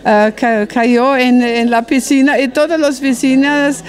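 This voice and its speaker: A woman in her sixties with a German accent, a German native speaker, answering interview questions about her books at a restaurant event; she speaks haltingly, searching for words and restarting often. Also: high-pitched, flat delivery. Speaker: author. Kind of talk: interview at a book presentation. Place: busy restaurant dining room, indoors. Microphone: handheld interview mic.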